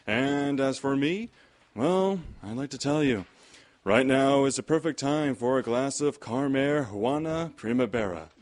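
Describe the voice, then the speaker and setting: A man playing a genial radio host, announcing and pitching the sponsor in polished old-time radio style. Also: measured pace, darkish tone, natural voice. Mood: inviting.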